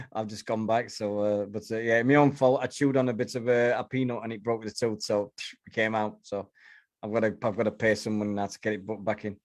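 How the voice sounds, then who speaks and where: A middle-aged or older man hosting a casual podcast chat in a halting, repetitive way, with slightly slurred speech as if from loose dentures. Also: lowish voice, steady tone, no room sound, studio quality. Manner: halting, repeats and restarts phrases. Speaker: podcast host.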